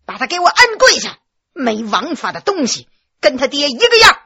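A woman's voice: high-pitched, big pitch swings, moderate pace, pushed and bright, full character voice. A woman acting a commanding, shrewd young prince. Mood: angry command. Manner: authoritative, scolding or coaxing. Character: commanding young prince, stern, hot-tempered yet calculating.

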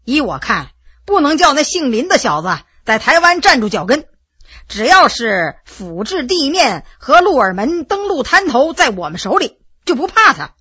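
A woman's voice: sits high, big pitch swings, moderate pace, pushed and bright, no echo, clean studio sound, heavily acted. Bluff easygoing general, woman reading. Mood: analytical. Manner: plainspoken, colloquial. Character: bluff middle-aged Qing general, loyal and easygoing.

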